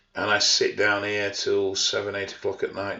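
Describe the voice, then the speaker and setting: The speaker is a man with a Yorkshire accent. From Yorkshire, northern England. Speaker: fitness vlogger and coach. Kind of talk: casual vlog Q&A. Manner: casual, sweary.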